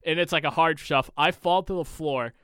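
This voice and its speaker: Bright, crisp young man telling a story. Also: a little high, normal speed, no echo, clean studio sound. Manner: animated, profane, rambling with restarts. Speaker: podcast co-host. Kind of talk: casual storytelling chat.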